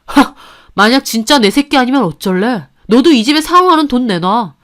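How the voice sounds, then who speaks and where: A woman's voice: on the high side, lively intonation, normal speed, a bit bright. A woman voicing an angry, suspicious young husband in a radio-style story, talking in an accusing, sneering way. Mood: hostile. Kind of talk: Korean radio-story dialogue.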